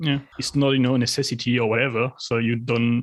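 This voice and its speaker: The speaker talks at a very fast pace with a French accent and monotone, flat intonation. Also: man. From southern France. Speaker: podcast guest. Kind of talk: interview storytelling.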